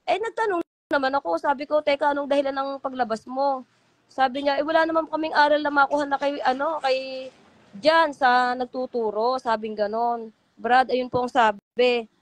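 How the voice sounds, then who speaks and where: High-pitched with fairly even intonation, a middle-aged woman speaks at normal speed with no room sound. She's a former church member appearing as a guest on an emotional call-in interview, rambling earnestly and imitating others' voices as she recounts what they told her.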